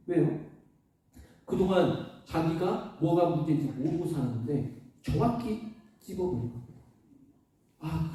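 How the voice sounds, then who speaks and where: A male pastor delivers a sermon in a church sanctuary, his mellow, somewhat high voice ringing through a very reverberant room. He is recorded from a distance with a faint hiss underneath. He keeps asking his listeners questions and answering them himself. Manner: asks the congregation rhetorical questions and answers them.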